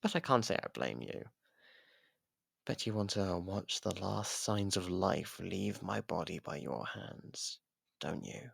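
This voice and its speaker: Man acting a gravelly, taunting jailed killer. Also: sits low, expressive, dry recording, studio quality, full character voice. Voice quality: gravelly, husky. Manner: taunting, theatrical, drawn-out pauses. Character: taunting, sardonic imprisoned murderer baiting a detective. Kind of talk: ASMR roleplay monologue. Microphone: close microphone, dry.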